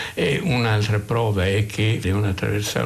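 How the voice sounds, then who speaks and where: Noticeable background noise sits behind a man talking at a medium pitch. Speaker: film critic. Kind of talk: commentary on a film.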